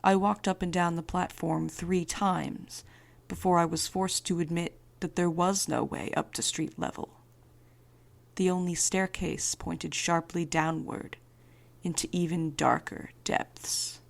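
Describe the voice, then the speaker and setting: A woman acting as a wry night courier in an audio drama. Her voice sits low with a gravelly fry, and she delivers everything drily, with a defiant streak. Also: fairly even intonation, measured pace. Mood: measured, uneasy.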